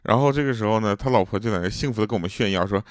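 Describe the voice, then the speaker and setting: A man's voice: lowish voice, rapid-fire, no room sound, clean studio sound. A man tells comic everyday anecdotes in a chatty way, laughing at his own jokes and putting on voices for the quoted people. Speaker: comic storyteller. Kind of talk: casual joke-telling monologue.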